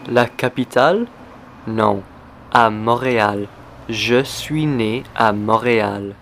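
A man hosting a language lesson, speaking slowly and deliberately and repeating simple phrases for learners. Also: on the low side, fairly bright tone, a little hiss or hum. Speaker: language teacher. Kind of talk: slow scripted language lesson.

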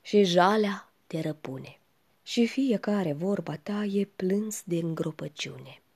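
A woman reciting poetry slowly and softly, often sinking to a whisper. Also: lowish voice, animated, slightly rough. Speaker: reader.

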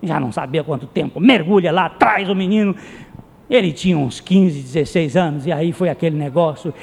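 A man's voice: on the high side, moderate pace, creaky, darkish tone, slightly rough. A man preaching a sermon as a pastor, telling stories with passion and repeating phrases for emphasis. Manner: impassioned storytelling with repeated phrases. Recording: long hall reverb.

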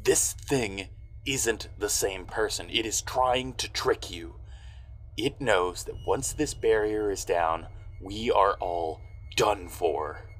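A man playing a down-on-his-luck, stubborn private eye in a noir audio drama, gruff, intense and husky. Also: on the low side, slow. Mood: wary. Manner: gruff, intense, hard-boiled.

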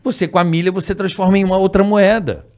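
A man's voice: high voice, steady tone, quick pace, darkish tone. A man hosting a casual podcast chat, swearing freely.

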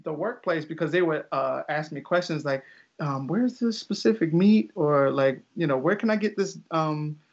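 A man's voice: a little high, animated, moderate pace, gravelly. A young man, a teacher, chatting casually as an interview guest, rambling with lots of fillers and restarts. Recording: dull lo-fi audio.

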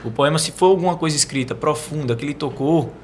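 A man's voice: on the high side, fast talker, a little hiss or hum. A man from Brazil, a poet being interviewed, explaining casually and often checking if the listener follows. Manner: explanatory, repeats "né" and "entendeu". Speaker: poet guest.

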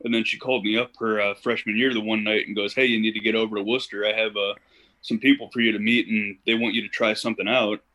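A man's voice: lowish voice, level tone, fast talker, bright, forceful tone, rough recording. A young man from Ohio, a podcast guest, chatting casually and telling stories in an easygoing way with plenty of "you know.". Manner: easygoing storyteller, uses fillers like "you know". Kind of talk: casual interview chat.

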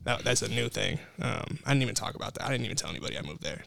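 Male guest, twenties, American. Informal and sweary, lively pitch, close dry sound. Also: very fast, vocal fry, no echo. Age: 20s. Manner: slangy, profane, informal. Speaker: guest, music artist. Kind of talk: casual interview chat.

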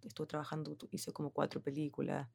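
A woman's voice: sits low, completely flat delivery, fast, gravelly, a little mellow, breathy edge, no echo, clean studio sound. A Chilean woman in her thirties with a Chilean accent, answering interview questions in a rambling, casual way with lots of fillers. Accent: Chilean Spanish. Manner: rambling, many fillers and restarts, laughs easily. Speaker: designer, interview guest.

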